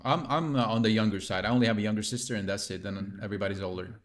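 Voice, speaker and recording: A man's voice: fairly low pitch, racing. A young man hosting a casual interview, laid-back and joking with slangy asides. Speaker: podcast host.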